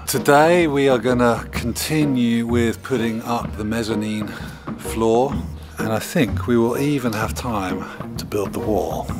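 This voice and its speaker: This middle-aged vlogger speaks in a casual, understated mid-range voice, unhurried and with few pauses, over music. He's filming a handheld video diary with the camera at arm's length inside the large barn where he's building a recording studio.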